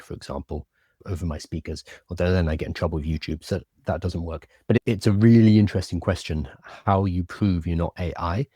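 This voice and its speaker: A man with a deep, mellow voice hosts a casual live stream in a very dry-sounding space. He has a slight lisp and cannot say his R's, so they come out like w's. He talks informally, as if answering viewers. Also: no room sound.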